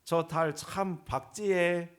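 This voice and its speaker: A man's voice: fairly high pitch, fairly even intonation, slow pace, clean tone, pitched above the performer's own voice. A man playing a drawling Gyeongsang wife. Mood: coaxing. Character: plain-spoken Gyeongsang wife.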